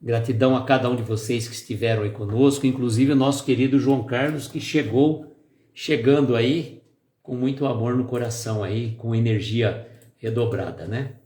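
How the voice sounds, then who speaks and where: A man hosting a spiritist live stream, chatting casually with viewers by name and then slowly leading a calm guided prayer. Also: medium pitch. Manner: slow, soft and calm when leading the prayer. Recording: echoey room with faint music.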